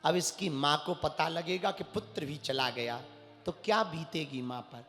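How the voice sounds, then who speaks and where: A man's voice: fairly high pitch, a little slow, fairly bright tone. A man preaching a devotional sermon, telling stories dramatically and sometimes singing verses. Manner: dramatic storytelling with sung verses. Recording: echoey hall with faint music.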